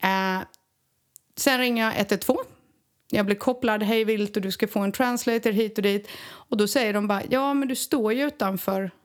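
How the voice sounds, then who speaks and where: A woman from Sweden recounting a personal story in casual conversation, animated and acting out the people she quotes. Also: mid-range voice. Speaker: guest telling a personal story.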